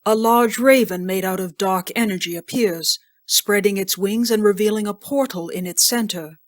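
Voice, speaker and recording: A woman's voice: medium pitch, normal speed. Female narrator: mid-range voice, reads scripted audio drama scene descriptions.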